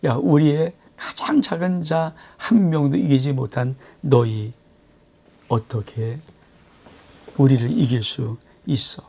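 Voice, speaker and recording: A man voicing a sneering, gravelly army commander. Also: medium pitch, slow pace, mellow, full character voice. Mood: mocking. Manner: mocking, sneering casual speech. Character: arrogant foreign male army commander taunting.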